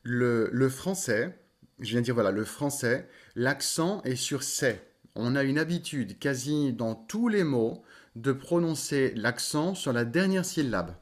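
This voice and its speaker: A man, a voice coach, explaining in an interview and often pausing to search for words. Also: medium pitch, animated. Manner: thoughtful, searching for words with many fillers. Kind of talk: interview conversation.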